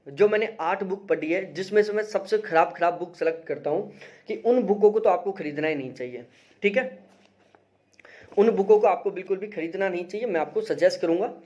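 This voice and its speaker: A young male exam-prep teacher with a high-pitched, warm voice gives a casual explanatory review of study books, heard through a muffled recording. He's emphatic, repeats his advice, and frequently checks in with listeners with "theek hai."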